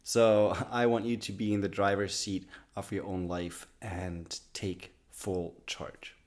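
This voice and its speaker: A man with a slightly raspy voice from being sick, talking to camera in an earnest, loose way about personal growth. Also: deep voice, little pitch movement, takes it slowly, a little mellow. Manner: earnest, loose sentences with many restarts and "like". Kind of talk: casual talk to camera.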